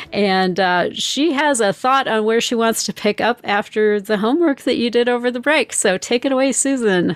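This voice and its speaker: Speaking at a moderate pace with hardly any pauses, a woman with a fairly high pitch has an unremarkable speaking voice and ordinary pitch variation. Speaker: podcast host. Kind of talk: interview, casual conversation. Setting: radio show broadcast.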